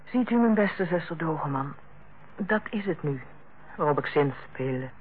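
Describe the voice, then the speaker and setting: An actress playing a tactful, composed middle-aged hospital director in a Dutch radio play, speaking in a measured, formal way. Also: female voice, sits low, animated, a little hiss or hum. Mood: diplomatic, firm. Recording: tinny, narrow-band old radio recording.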